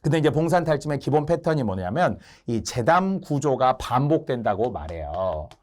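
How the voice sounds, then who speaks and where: Animated male lecturer. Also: mid-range voice, moderate pace. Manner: animated, acts out quoted lines in character voices. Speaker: exam prep lecturer. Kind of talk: recorded exam lecture.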